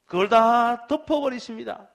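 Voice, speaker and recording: A male pastor with a notably high voice delivers an evangelistic sermon at a church service. He pleads earnestly, swinging from emphatic stress to hushed appeals and drawing out repeated phrases. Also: moderate pace, gravelly.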